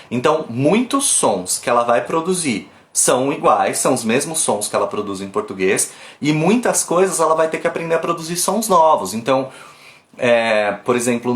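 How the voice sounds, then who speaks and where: Brazilian guy teaching english pronunciation live, talks loose and chatty, middle pitch, roomy phone sound. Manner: chatty, lively, breaks off and demonstrates sounds. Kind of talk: live online pronunciation class. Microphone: phone camera.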